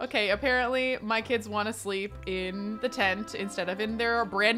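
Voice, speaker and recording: A woman talks at a fairly slow pace while faint music sits in the background. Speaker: gaming streamer. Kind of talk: casual gameplay commentary. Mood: happy, amused. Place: home room. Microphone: studio mic.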